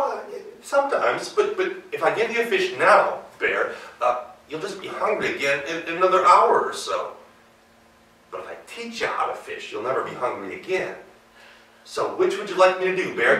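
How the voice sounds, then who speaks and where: A man's voice: high-pitched, sing-song, normal speed, bright, forceful tone, exaggerated voice. A man voicing a sly fox trickster in a live folktale, talking in a persuasive, hedging way. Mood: coaxing. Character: sly, quick-thinking male fox trickster. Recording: roomy live hall, distant mic.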